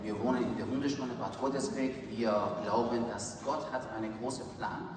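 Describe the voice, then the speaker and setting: Halting preacher in a booming hall. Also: male voice, fairly even intonation, a little mellow. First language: Farsi. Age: 30s. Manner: halting, searching for words, earnest. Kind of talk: sermon. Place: large church hall. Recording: echoey church hall from far off, faint hiss.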